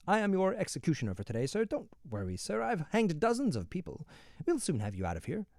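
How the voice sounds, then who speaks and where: A man's voice: sits high, wildly swooping pitch, fast, creaky, a little mellow, no echo, clean studio sound, voice pushed up, exaggerated voice. A man voicing a cheerful, businesslike young hangman who chats politely and keeps saying sir, in a voice raised above his own. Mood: friendly. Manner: friendly, businesslike, says "sir" often. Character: cheery young male hangman, eager and chatty.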